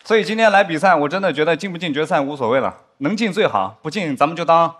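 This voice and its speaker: A man performing a stand-up comedy set on a studio stage, acting out drama scenes with big pitch swings. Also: expressive, fast, fairly bright tone, a faint crowd. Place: studio stage with live audience.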